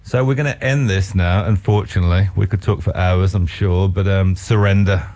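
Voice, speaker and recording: A man's voice: low-pitched, steady tone, normal speed, a little mellow. A man hosting a casual radio interview, effusive and enthusiastic. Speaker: radio host.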